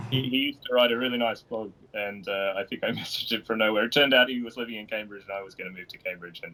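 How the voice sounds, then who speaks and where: A man with an Australian accent talks at a very fast pace with hardly any pauses, a medium pitch, and ordinary pitch variation. His loudness swings widely over noticeable background noise. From Australia, rural New South Wales. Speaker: board game designer and research scientist. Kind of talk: interview. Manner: hesitant, many fillers.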